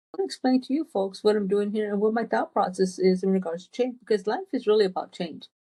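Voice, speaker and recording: Barely pausing, a woman speaks at a very fast pace in a dark, mellow, somewhat breathy tone with ordinary pitch variation. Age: 60s. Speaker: YouTuber and podcast host. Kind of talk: casual vlog monologue. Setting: home video recording with two cameras. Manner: halting, with many fillers and restarts.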